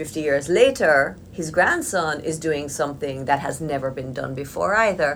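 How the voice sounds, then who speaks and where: A woman talks at a moderate pace with hardly any pauses, her very deep, low voice showing ordinary pitch variation. Audible room echo surrounds her. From Jamaica. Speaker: filmmaker and producer. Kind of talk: interview conversation. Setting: in a theater building.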